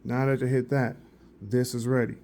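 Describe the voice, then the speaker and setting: A man's voice: mid-range voice, flat delivery, normal speed, dark tone, slight background noise. A man casually demoing a phone's translation feature in a vlog. He rambles, restarts often and keeps earnestly urging viewers. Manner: rambling and repetitive, with frequent restarts. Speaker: vlogger reviewing a phone. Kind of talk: casual product demo.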